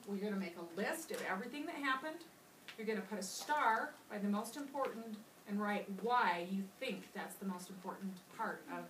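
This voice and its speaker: A woman's voice: mid-range voice, fairly bright tone, a little hiss or hum. A woman teacher leading a classroom reading lesson, patiently asking her pupils questions and restating their answers. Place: classroom, indoors. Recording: roomy classroom audio from a distant mic.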